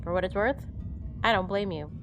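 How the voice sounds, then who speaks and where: An actress playing a worried, guarded confidante in a naturalistic audio drama, speaking in a subdued, earnest way. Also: female voice, mid-range voice, fairly quick, muffled recording, over music, close to an everyday voice.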